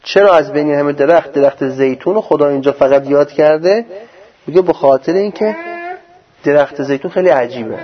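A man teaching a religious lecture on scripture, explaining verses slowly and arguing with a sarcastic edge. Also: a little high. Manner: sarcastic, argumentative. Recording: dull lo-fi recording.

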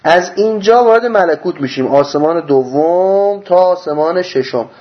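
Emphatic man teaching mystical ideas. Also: animated. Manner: explains a drawn diagram, rhetorical questions answered himself; swings between loud emphatic bursts and low murmurs. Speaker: religious teacher. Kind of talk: mystical religious lecture. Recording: dull lo-fi recording.

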